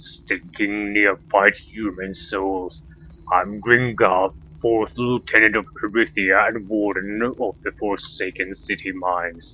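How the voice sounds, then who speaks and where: A man speaks in a put-on character voice with a growl, pitched fairly low. His delivery is fairly slow and flat, with monotone intonation. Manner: growling, contemptuous.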